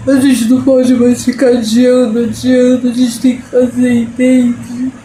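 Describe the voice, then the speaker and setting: A woman's voice: a little high, level tone, a little slow, dark tone. A woman speaking in a tearful, emotional devotional vlog, laughing through tears and repeating her phrases. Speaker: artist sharing her faith. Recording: roomy echo with faint background noise.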